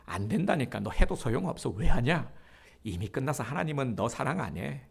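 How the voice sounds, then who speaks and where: A man voicing a scornful devil who jeers and belittles in a hushed, low voice. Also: big pitch swings, brisk, vocal fry, slightly rough, full character voice. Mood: taunting. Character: taunting accusing devil, sneering and scornful.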